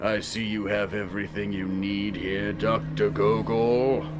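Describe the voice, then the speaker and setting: A man's put-on character voice, fairly low-pitched and fairly slow, against clear background noise. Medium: actual play. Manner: cold, haughty, menacing.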